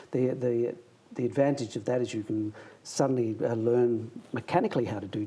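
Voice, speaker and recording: The speaker mumbles in an Australian accent. The pace is moderate. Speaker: magician. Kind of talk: casual chat. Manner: mumbling.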